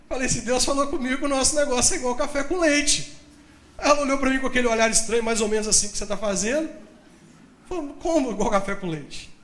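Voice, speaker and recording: Brief: male pastor, very high voice, lively storyteller, echoey church. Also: fast talker. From Brazil. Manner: animated storytelling, acts out dialogue, laughs at own jokes. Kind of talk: sermon with personal story.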